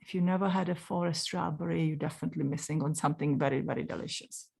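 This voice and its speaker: Woman in her forties, Czech accent, low gravelly voice, gentle unhurried storytelling. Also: fairly even intonation. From Czech Republic. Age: 40s. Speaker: spiritual channeler. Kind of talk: personal storytelling monologue.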